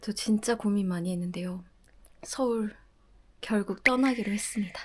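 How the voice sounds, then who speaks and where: At a moderate pace, a woman speaks in a somewhat breathy, medium-pitched voice with ordinary pitch variation. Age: 30s. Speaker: travel vlogger. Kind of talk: casual talk to camera.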